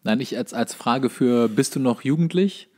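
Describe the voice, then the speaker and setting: A man's voice: mid-range voice, moderate pace, dark tone. A man co-hosting a podcast in casual comedic banter, talking in a joking, rambling way. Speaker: podcast co-host.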